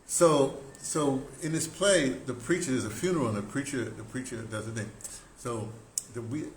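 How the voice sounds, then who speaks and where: An older American man reminisces in a loose, excitable style, doubling back and repeating himself as he goes. His voice sits at a middle pitch. The room is echoey, with clear background noise behind him. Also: moderate pace. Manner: excitable, animated storyteller with broken, repetitive phrasing. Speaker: radio drama producer and talk host. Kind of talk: casual rambling reminiscence.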